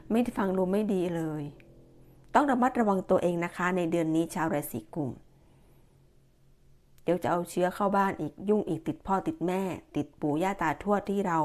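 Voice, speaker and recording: A woman's voice: mid-range voice, darkish tone. A woman giving a casual monthly tarot horoscope, chatty and repetitive, with many fillers and warnings. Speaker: tarot reader.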